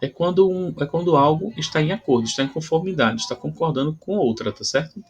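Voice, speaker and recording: A man's voice: a little high, fast, a little hiss or hum. A man with a Brazilian Portuguese accent teaching a grammar lesson, explaining patiently and checking in with frequent "tá?" between examples.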